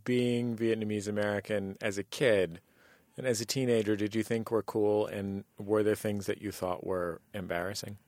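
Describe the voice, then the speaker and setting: A man hosting a radio interview show, asking calm, curious questions. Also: on the low side, moderate pace, no echo. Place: radio studio.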